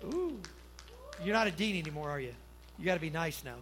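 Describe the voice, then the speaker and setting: A man's voice: a little high, sing-song, fairly quick, a bit bright, low-quality recording. A middle-aged man, a pastor, preaching to a church congregation in a folksy, storytelling way, often checking in with the crowd, then leading a prayer. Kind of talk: conversational sermon and prayer.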